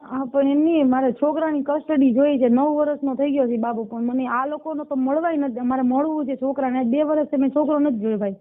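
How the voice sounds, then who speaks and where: A woman's voice: high-pitched, fairly even intonation, a little fast. A woman of twenty-nine with a Saurashtra Gujarati accent, calling by phone to explain her situation and ask for help. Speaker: caller seeking help. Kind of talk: pleading personal account on a phone call. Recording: dull lo-fi phone call recording.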